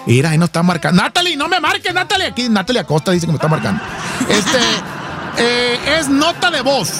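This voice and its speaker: High-voiced hyped radio host. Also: male voice, quick pace. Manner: energetic, shouting catchphrases, joking with slang. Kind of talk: lively radio banter and giveaway. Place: radio studio. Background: music bed.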